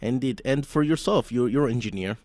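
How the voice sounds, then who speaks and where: A man's voice: mid-range voice, brisk, a little mellow. A male radio host running an interview, upbeat and teasing as he asks his questions.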